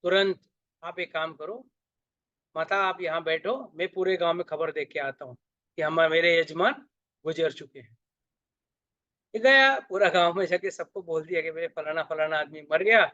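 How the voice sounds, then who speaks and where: A man with a high, bright voice tells a moral story as a sermon and acts out each character's lines with lively changes of tone. The recording is dry and a little dull. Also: normal speed, no echo. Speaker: spiritual speaker.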